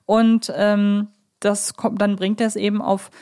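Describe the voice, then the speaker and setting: A woman with a medium-pitched voice co-hosts a fan podcast. She talks in a conversational way, pausing to rephrase and correct herself as she thinks things through. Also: flat delivery, mellow, clean tone. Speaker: podcast host.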